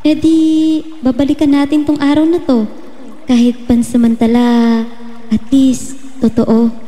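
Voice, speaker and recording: An actress as a young woman in love in an audio drama, with a very dark, velvety, highish voice. She speaks gently and earnestly, soft and steadfast, in long reverb over music. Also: little pitch movement, unhurried. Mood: tender, loving. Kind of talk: Filipino audio drama acting, intimate dialogue.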